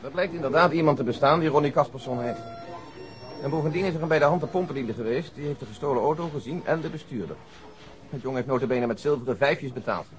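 An actor playing a dry, methodical police detective in a radio play, pedantic and deadpan. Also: male voice, mid-range voice, quick pace, close to an everyday voice. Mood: matter-of-fact. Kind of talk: radio play acting in Dutch.

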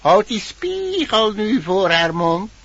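A man's voice: high-pitched, very animated, takes it slowly, a bit bright, dull audio, full character voice. A man playing a learned, solemn tomcat doctor in a fairy-tale radio play, speaking in pompous, formal declamation. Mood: grave, clinical.

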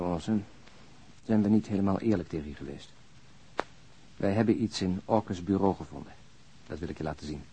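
An earnest detective in a radio play. His voice sits fairly low and has a husky grain. He speaks in a measured, persistent way. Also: dark tone, poor audio. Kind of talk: audio drama acting.

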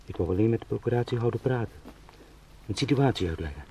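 An actor playing a travelling salesman turned beetle in a radio drama, thinking aloud in halting murmurs, oddly calm and resentful. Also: on the low side, a little hiss or hum. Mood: musing, halting. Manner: halting, murmured fragments, sometimes whispering. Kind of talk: radio drama, slow interior monologue.

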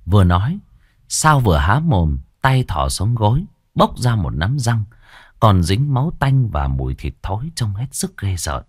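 A man narrating a scripted horror story with a dramatic, expressive reading. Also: lowish voice, measured pace, slightly rough, no room sound, studio quality.

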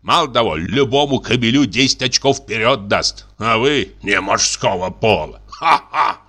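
A man reading a story aloud, voicing a boastful middle-aged army lieutenant who wheedles and blusters as he pushes a sale. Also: moderate pace. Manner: wheedling, blustering, swinging high and excited.

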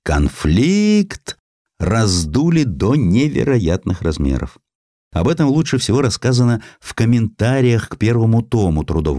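A man reading a historical essay as an audiobook narrator, in an expressive, scripted literary style. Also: fairly low pitch, no room sound, clean studio sound.

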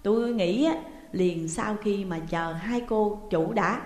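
A woman's voice: mid-range voice, slow, close to an everyday voice. A blunt, spirited housemaid, voiced by a woman storyteller, answering back sharply and without fear. Her voice carries a roomy echo and a long reverb. It is an audio storybook. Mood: defiant. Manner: defiant, sharp-tongued.

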